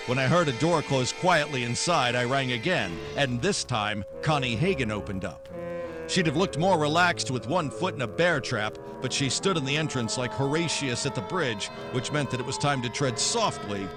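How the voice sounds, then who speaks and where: An actor playing a tough, wisecracking 1940s private detective in noir radio drama style, sardonic and clipped. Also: male voice, medium pitch, expressive, normal speed, music in the background, lightly acted. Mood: wry narrating.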